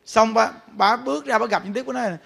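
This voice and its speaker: A man's voice: very high-pitched, fairly quick, vocal fry. A man, a Buddhist monk giving a sermon, telling stories with frequent laughter and speaking straight to his listeners. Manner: animated storytelling, laughs often, addresses the audience directly.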